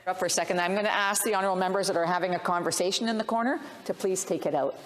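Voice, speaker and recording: Quick, low-voiced woman presiding. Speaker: presiding speaker of parliament. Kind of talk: procedural announcements. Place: legislative chamber.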